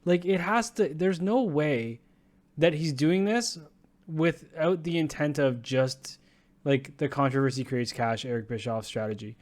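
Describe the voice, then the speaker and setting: A man's voice: fairly high pitch, a little slow, a little mellow. A young man co-hosting a casual sports podcast, ranting bluntly and profanely, often breaking into laughs. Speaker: podcast co-host.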